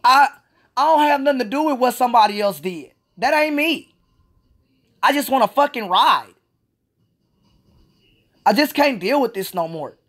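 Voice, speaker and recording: A woman's voice: on the high side, expressive, normal speed, long pauses. A woman talks straight to her camera in a vlog, letting off steam. Her delivery is frustrated and repetitive, and she swears freely as she circles back over the same complaints. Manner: frustrated, repetitive, profane ranting. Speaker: Special Olympics athlete. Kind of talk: venting vlog monologue.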